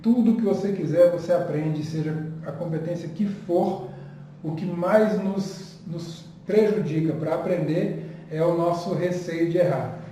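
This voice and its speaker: A man's voice: a little high, measured pace, dark tone. A man talking as a guest teacher in a casual conversation, earnest and encouraging. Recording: echoey room, distant mic, faint noise.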